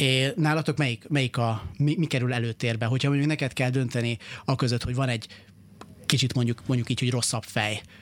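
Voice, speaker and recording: A man's unremarkable speaking voice at medium pitch, fairly quick in pace, with fairly even intonation. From Vas county, Hungary. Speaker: radio host. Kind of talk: casual interview. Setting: studio.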